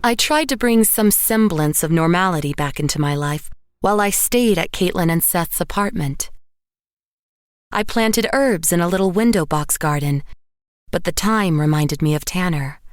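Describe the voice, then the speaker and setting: A woman playing an anxious, haunted painter who tells her own story in measured, literary horror narration. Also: on the low side, no room sound, clean studio sound, close to an everyday voice. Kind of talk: scripted first-person horror audio drama narration. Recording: music underneath the voice. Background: background music.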